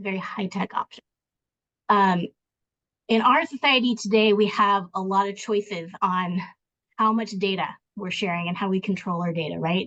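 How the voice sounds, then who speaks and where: A woman's voice at a medium pitch, with ordinary pitch variation and a dry, close sound with no echo. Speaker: state agency staff presenter. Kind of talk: presentation to advisory committee. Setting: virtual meeting. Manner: fast.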